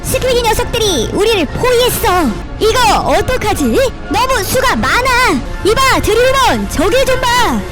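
Woman as a high, excitable cartoon battle hero. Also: unhurried, few pauses, heavily acted. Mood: alarmed. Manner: dramatic, exclamatory. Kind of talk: animated fan dub, exaggerated voice acting. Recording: loud music under the voice.

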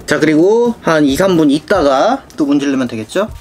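A young man giving casual, animated hands-on product testing commentary, thinking aloud as a review host. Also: on the high side, moderate pace. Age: young adult. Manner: animated, conversational, thinking aloud while working. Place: small room indoors, seated at a table.

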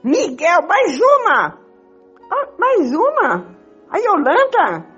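Older lady doing a pleading jealous radio soap wife, high voice that swoops around, muffled audio. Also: wildly swooping pitch, slow pace, a bit bright, heavily acted. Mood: resigned. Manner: pleading, melodramatic, repetitive. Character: pleading, jealous wife, melodramatic but accommodating. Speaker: amateur participant in a radio play. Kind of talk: improvised amateur radio soap opera acting. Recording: dull lo-fi audio with music.

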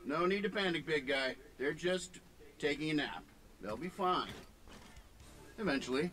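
An actor playing a cocky, teasing armored tech hero in a game cutscene. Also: male voice, on the high side, animated, takes it slowly, pushed and bright, slight background noise, heavily acted. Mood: smug. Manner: smug, teasing.

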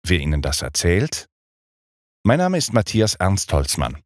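A middle-aged man, a former singer turned audiobook narrator, reading a speech lesson in a clear, deliberate and precisely stressed way. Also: low-pitched, wildly swooping pitch, dry recording, clean studio sound.

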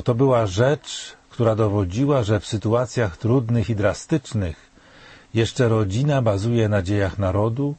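Older male commentator, dark and husky, measured and solemn delivery. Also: lowish voice, dry recording. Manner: measured, grave, rhetorical questions. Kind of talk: scripted spoken commentary.

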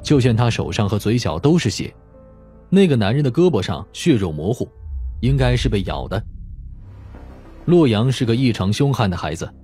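A man's voice: medium pitch, sing-song, moderate pace, long pauses, warm tone, soft background music. A man reading a dramatic scripted audiobook narration.

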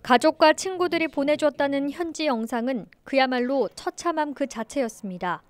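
A woman reporter narrating a news story in a measured, scripted reading. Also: sits high.

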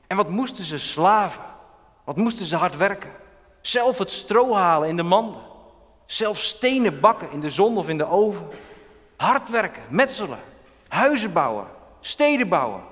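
A male pastor preaching a sermon in a church, animated and rising loud when he voices God's words. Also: sits high. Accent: Dutch. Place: large church. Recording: long church reverb.

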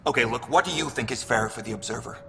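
A man's voice: mid-range voice, fast, fairly bright tone, faint music behind, lightly acted. A man voicing a shifty alien scavenger trader in a video game, wheedling and slick with hesitant turns. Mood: nervous. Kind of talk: video game dialogue acting. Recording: hollow reverberant hall with background noise.

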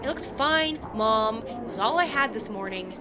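A woman's voice: fairly high pitch, animated, moderate pace, background noise, close to an everyday voice. An actress playing a chatty, grumbling nineteen-year-old girl in an audio drama. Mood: exasperated. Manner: grumbling, casual. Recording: loud background ambience.

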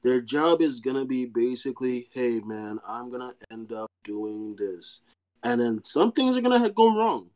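A man's voice: medium pitch, expressive, normal speed, a little mellow. A young man with a Nigerian accent, debating over a video call from a small room. He talks in bursts, repeats himself and stumbles over words. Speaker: debate guest. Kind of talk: heated casual debate. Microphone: webcam on a video call.

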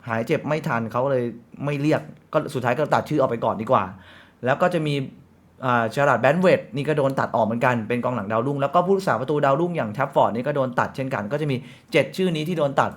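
A man hosting a casual football news show, chatty and reading sponsor plugs between the news. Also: medium pitch. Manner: chatty, reads sponsor ads quickly, frequent polite fillers.

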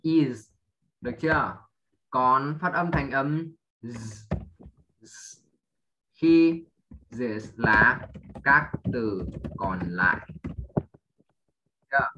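A man's voice: medium pitch, lively intonation, very slow, pauses often, bright, forceful tone, slight background noise, low-quality recording. A man teaching an English lesson to a child, drilling sounds patiently, spelling letters one by one and often checking understanding.

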